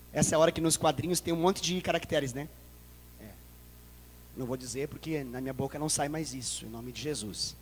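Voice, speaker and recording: A man with a Brazilian Portuguese accent preaching a sermon as a pastor, dramatic and joking with the congregation, breaking into loud cries. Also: fairly high pitch, breathy edge. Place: church sanctuary. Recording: long church hall reverb.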